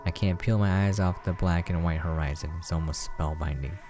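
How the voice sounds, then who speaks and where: Male game preview host, low register, reads story text aloud with casual asides, music underneath. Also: fairly even intonation, brisk. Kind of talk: reading a visual novel aloud with casual asides.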